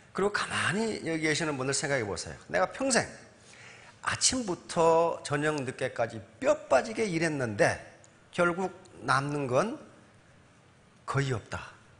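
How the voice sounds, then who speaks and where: Pausing long and often, a man talks at a fairly slow pace in a high voice with very wide pitch swings. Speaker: lecturer. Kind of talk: lecture.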